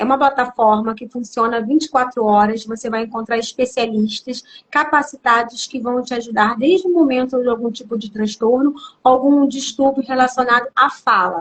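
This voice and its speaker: Her pitch high, a woman speaks at a moderate pace with fairly even intonation. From Brazil. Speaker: mental health professional. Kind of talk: live stream talk, platform promotion. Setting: online live stream.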